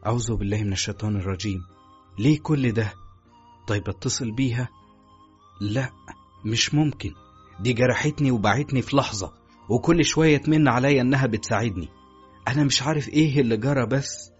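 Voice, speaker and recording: A man's voice: mid-range voice, a little fast, pauses often, breathy edge, soft background music, natural voice. A man voicing a proud, hurt young husband brooding to himself in Egyptian Arabic. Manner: brooding inner monologue. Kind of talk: audiobook character voice. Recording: dull, lo-fi audio.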